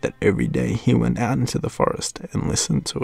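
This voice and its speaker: Music plays in the background as the speaker goes at a fairly quick pace in an Australian accent. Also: man. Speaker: ASMR storyteller. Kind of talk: fairy tale reading.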